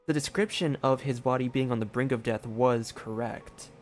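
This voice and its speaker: A man's voice: medium pitch, steady tone, moderate pace. A man streaming a game, giving casual, rambling commentary in informal slang. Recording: game music behind.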